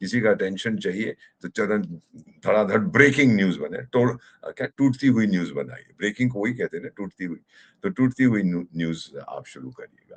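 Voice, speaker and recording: A man with vocal fry speaks at medium pitch and a moderate pace, his intonation lively. His loudness swings widely, and the sound is dry and close, with no echo. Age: 70s. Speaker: retired diplomat. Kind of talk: interview. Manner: animated.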